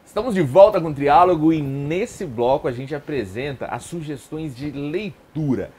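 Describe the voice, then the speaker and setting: A man hosting a talk show, handing over to guests and announcing breaks in a friendly, even way. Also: on the high side, moderate pace, soft background music. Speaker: host.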